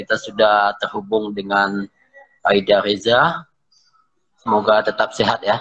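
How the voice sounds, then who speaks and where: A man speaks at a fairly slow pace with long, frequent pauses. His loudness stays very even. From Indonesia. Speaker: radio show host. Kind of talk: casual interview. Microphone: video call.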